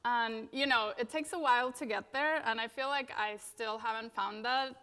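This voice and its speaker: A woman's voice: fairly high pitch, moderate pace, pushed and bright, smooth. A woman in her thirties from Venezuela giving a casual conference talk about her design career, with many fillers. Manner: casual, many fillers, frequent "you know" and "like".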